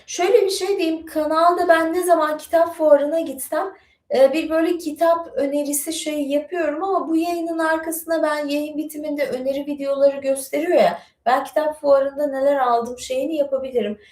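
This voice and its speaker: Woman streamer, higher voice, rambling and chatty, in a roomy studio. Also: steady tone, normal speed, a little mellow. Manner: chatty, digressive, many fillers. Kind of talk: casual live-stream chat and reading aloud. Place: home studio with bookshelves.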